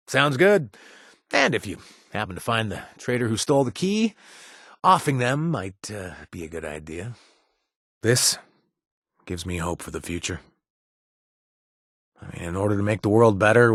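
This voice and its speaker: A wry, flirtatious ex-raider companion from a video game. His low voice swings widely as he teases, hesitates and trails off. It is husky and recorded close and dry. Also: a bit bright, dry recording, full character voice. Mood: casual, wry. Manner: hesitant, wry, teasing delivery with trailing pauses. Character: flirtatious wry ex-raider ally, adult man.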